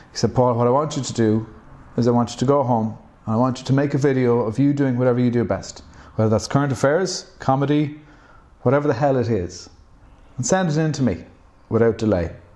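A man speaks very fast with a Dublin accent, at a medium pitch with a dark, mellow tone. His speech has long, frequent pauses. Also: ordinary pitch variation. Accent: Irish (Dublin). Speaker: hotel manager and cafe co-owner. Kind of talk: casual interview. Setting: in person at hotel cafe. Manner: quiet in person.

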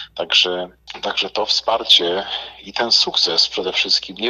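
Amid noticeable background noise, a man with a fairly low pitch speaks fairly slowly in a monotone, flat intonation. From Poland. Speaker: credit union executive. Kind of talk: radio interview.

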